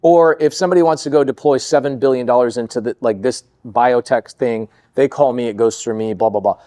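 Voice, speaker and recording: A man of middle pitch tells a story to his podcast host, animated and quick to act out what others said. He sounds dry and close, with no room around him. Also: no echo. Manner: animated storyteller, acts out quoted voices. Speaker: podcast guest, real estate investor. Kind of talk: storytelling interview chat.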